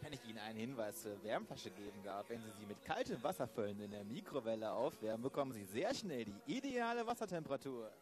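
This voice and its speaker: A man playing a pompous, self-important veteran detective in an improvised audio drama, with stilted, deliberate phrasing. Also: medium pitch, lively intonation, lightly acted. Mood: jovial, fussy.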